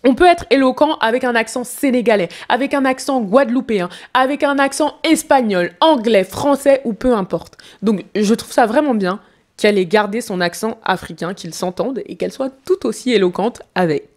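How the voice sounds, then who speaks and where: A woman who coaches public speaking comments on a televised interview, speaking straight to the viewer with advice. Her voice is on the high side and her pace is moderate.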